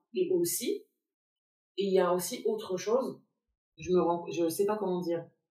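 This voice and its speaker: The woman's voice sits at medium pitch. She speaks at a very slow pace with fairly even intonation. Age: 30s. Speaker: podcast host interviewing her mother. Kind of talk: intimate family conversation. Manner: halting, many fillers.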